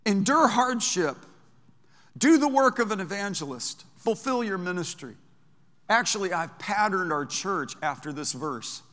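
A man's voice: high-pitched, expressive, a little slow, a bit bright. An older man preaching a sermon as pastor, emphatic, stretching out key phrases. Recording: long hall reverb.

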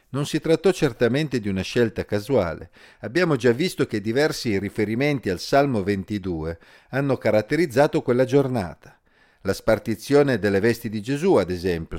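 A man calmly reading scripture and giving a measured Bible commentary as the host of an episode series. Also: fairly low pitch. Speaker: Bible teacher.

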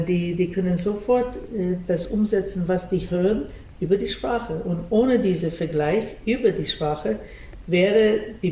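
A Russian-native woman from Canada, older, explaining patiently in a radio interview and often pausing to search for words. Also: lowish voice, dark tone. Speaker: ballet school director. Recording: distant, roomy, faint ambience.

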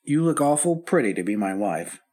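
A man's voice: lowish voice, very animated, fairly quick, darkish tone, husky. An actor playing a weary husband in his thirties in an old-time radio drama, sighing and downbeat. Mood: tired, downbeat. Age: 30s.

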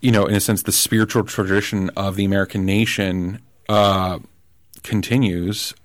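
A man with a lowish voice, thinking aloud in a relaxed political chat. He halts and restarts often as he works through ideas. The sound is dry and close, with no room around it. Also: dry recording. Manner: thoughtful, halting, many restarts. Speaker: podcast guest. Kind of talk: casual political conversation.

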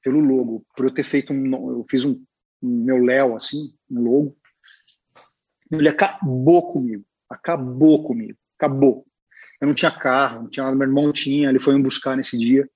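A Brazilian man sits as a guest and tells a long story from his career in a loose, chatty way, full of fillers and asides. His voice is breathy and a little husky, at an ordinary male pitch. The recording sounds slightly dull and muffled. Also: normal speed. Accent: Brazilian Portuguese. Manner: animated, chatty, peppered with filler words. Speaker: guest illustrator. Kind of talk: casual storytelling.

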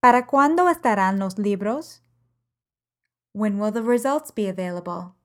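A woman teaching a language lesson podcast, reading example sentences in measured, carefully enunciated phrases. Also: mid-range voice, animated. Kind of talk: slow, clear podcast lesson.

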